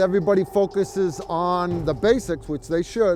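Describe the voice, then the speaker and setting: A man's high voice with an American accent, ordinary pitch variation and a moderate pace, over music in the background. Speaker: survival instructor, army veteran. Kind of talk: outdoor tutorial. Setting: outdoors by a river in snow.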